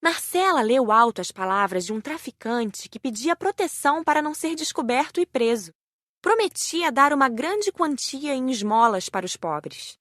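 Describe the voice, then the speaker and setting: A woman narrating a scripted audiobook story in the first person, with measured, careful enunciation. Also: high-pitched, expressive, fairly bright tone, no echo, clean studio sound.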